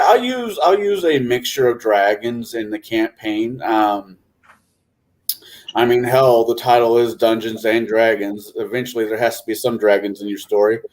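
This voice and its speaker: Male game master on a panel, average pitch, loose casual chat that wanders and pauses often. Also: darkish tone. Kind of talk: casual chat about tabletop gaming.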